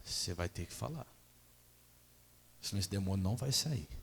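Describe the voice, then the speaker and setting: A pastor preaching a sermon emphatically, asking the congregation rhetorical questions. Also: male voice, deep voice, expressive, normal speed, gravelly, a bit bright, slightly rough. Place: church. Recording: echoey church hall.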